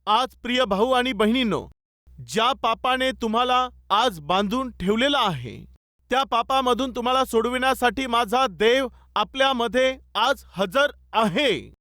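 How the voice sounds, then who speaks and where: A male pastor delivers a sermon in a very high voice. He repeats his appeals and asks the congregation rhetorical questions. The sound is dry and close. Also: unhurried, pushed and bright, no echo. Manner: repetitive exhortation with rhetorical questions.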